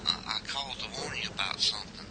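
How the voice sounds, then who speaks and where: A man's voice: fairly low pitch, lightly acted. A man playing an injured driver calling from a hospital bed, weak, coughing, and stammering. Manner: halting, stammering. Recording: noisy amateur recording.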